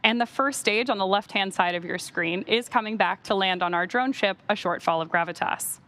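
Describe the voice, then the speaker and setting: A woman's voice: mid-range voice, moderate pace, fairly bright tone. A woman hosting a live launch webcast, explaining things step by step as commentary.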